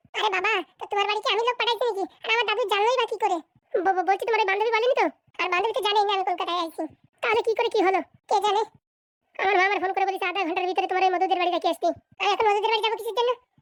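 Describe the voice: In a cartoonish character voice pitched extremely high, a woman speaks very fast with fairly even intonation.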